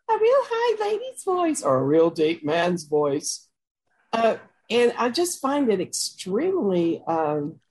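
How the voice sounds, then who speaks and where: A woman from Texas asking a panel an earnest, measured question as an audience member. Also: mid-range voice, slightly rough, poor audio. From Austin, Texas, US.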